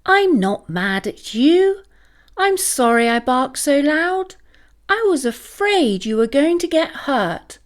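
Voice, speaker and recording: A woman plays a mother dog from a children's storybook in a high, lively voice. She is firm and protective, a loving parent talking to her little ones. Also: slow pace, exaggerated voice. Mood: gentle, apologetic.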